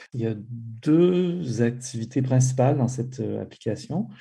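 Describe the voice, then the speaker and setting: A man talks at a fairly slow pace and a medium pitch. His tone is dark and mellow, and somewhat breathy. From Quebec. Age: 50s. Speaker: linguistics professor. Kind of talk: interview. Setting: studio.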